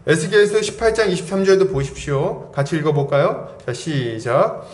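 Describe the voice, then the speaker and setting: A pastor in his forties preaching a sermon, asking his congregation lively rhetorical questions. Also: fairly high pitch, normal speed. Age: 40s. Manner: animated, asks the congregation many rhetorical questions. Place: church sanctuary. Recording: roomy church echo, faint background hum.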